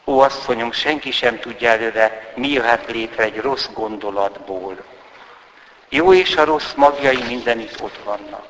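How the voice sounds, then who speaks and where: A calm, earnest village priest who admonishes gently and gravely. A man voices him close to his own speaking voice. The room is large and reverberant, with a long decay. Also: mid-range voice, slight background noise, natural voice. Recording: roomy hall with long reverb.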